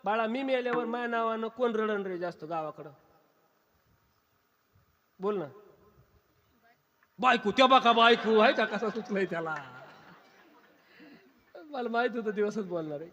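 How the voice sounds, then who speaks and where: A man with a high voice leads a kirtan, preaching playfully to a gathered crowd. He teases his listeners and keeps firing questions at them. His voice rings out with a long reverb, as if filling a large hall. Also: unhurried, pauses often, a bit bright, lo-fi sound. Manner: teasing, keeps quizzing the crowd. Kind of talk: humorous kirtan sermon to a live audience. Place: kirtan gathering before an audience.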